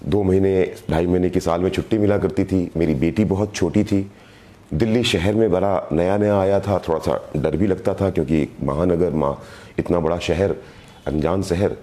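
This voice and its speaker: A middle-aged man with a sore, hoarse throat giving an earnest motivational live video address as a direct selling team leader, repeating phrases for emphasis. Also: low-pitched, moderate pace, dark tone.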